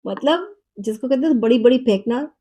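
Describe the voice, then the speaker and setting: A woman's voice: a little high, animated, moderate pace, mellow, breathy edge. A young woman hosting a reaction video, mocking and scolding the people she reacts to and dropping in English phrases. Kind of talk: sarcastic reaction commentary.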